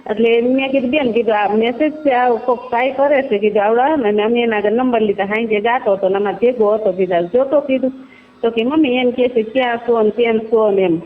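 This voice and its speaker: A woman's voice: a little high, fairly quick. Kathiawadi woman on a tinny phone line. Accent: Kathiawadi Gujarati. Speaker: caller telling their own story. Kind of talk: informal personal account on a phone call. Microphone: telephone line. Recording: tinny narrowband phone call recording.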